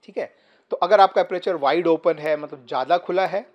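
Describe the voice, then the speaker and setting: Man with a slightly high voice explaining patiently. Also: highs cut off. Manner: patient, step-by-step explaining with frequent pauses and fillers. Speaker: photography teacher. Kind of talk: casual explainer tutorial to camera. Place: indoor room, seated on a sofa. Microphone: camera about three feet away.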